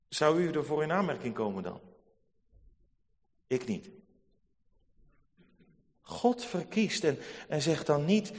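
A man preaching a sermon to his congregation, solemn and measured, rising to emphatic peaks. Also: medium pitch. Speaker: pastor. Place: church. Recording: long church reverb.

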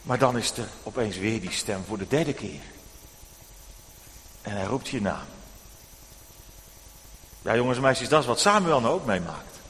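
A man preaching to children, telling a Bible story in an animated storytelling manner, addressing the boys and girls directly, in a reverberant church. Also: medium pitch, unhurried, pauses often, slight background noise.

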